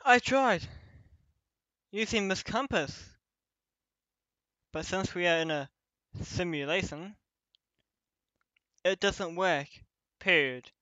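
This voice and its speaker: A man playing a protective young companion leading an escape in an ASMR roleplay, speaking haltingly in short phrases. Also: high voice, sharp tone, no room sound, dull audio, exaggerated voice. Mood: cautious, planning.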